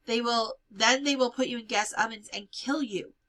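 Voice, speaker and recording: A frightened young girl in a novel, read by a woman, outspoken and insistent. The voice is bright, tense and urgent. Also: fairly high pitch, normal speed, voice pushed up. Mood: alarmed, insistent.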